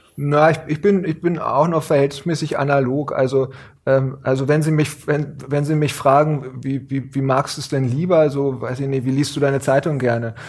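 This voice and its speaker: On a very clean recording with a silent background, a man speaks at a moderate pace in a somewhat breathy, fairly high voice with monotone, flat intonation. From Lower Saxony, Germany (Gifhorn). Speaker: city official. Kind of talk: interview. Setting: studio. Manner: halting, many fillers.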